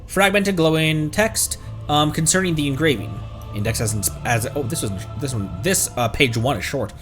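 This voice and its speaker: A man streaming a video game, giving commentary and reading in-game text aloud, sometimes halting and repeating words as he goes. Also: fairly high pitch, fairly bright tone. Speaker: streamer, host of a gaming livestream. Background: game music.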